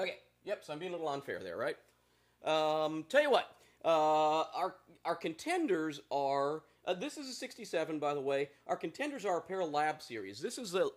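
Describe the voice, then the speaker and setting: Folksy man joking through a gear demo. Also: a little high. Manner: folksy, playful, drawling asides. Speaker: guitar amp demo host. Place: room with amps, speaking from the floor. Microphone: instrument mics on amps, voice faint.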